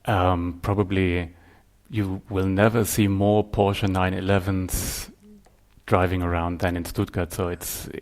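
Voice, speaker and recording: A very deep, gravelly man with a German accent speaks as a podcast guest. He is middle-aged and answers thoughtfully, pausing often with ums, in English that is not his first language. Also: little pitch movement, darkish tone. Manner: thoughtful, hesitant, with many ums. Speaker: guest photographer. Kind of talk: podcast interview.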